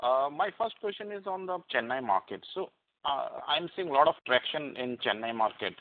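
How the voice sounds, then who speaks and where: A male analyst with an Indian accent puts questions on a conference call through a headset. His mid-pitched voice is narrowed by the phone line, and his phrasing is hesitant and circles back on itself. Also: animated, moderate pace.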